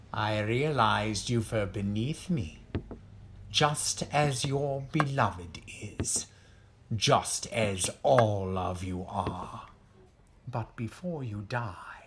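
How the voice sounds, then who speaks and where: Smug nazi general, slow and theatrical, swingy pitch, bit of noise. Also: male voice. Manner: pompous, theatrical, mock-courteous. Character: ruthless, smug Nazi general, coldly polite villain. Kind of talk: audio drama acting.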